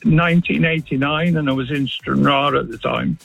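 A man's voice: fairly high pitch, steady tone, moderate pace, gravelly, fairly bright tone, poor audio. A man, calling in to a radio show, easygoing and plain. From Scotland. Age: 50s. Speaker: caller.

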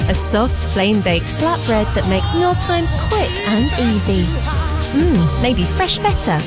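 A woman reading a food advert in a bright, enticing way. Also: a little high, big pitch swings, a little slow, over loud music. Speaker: ad voice-over.

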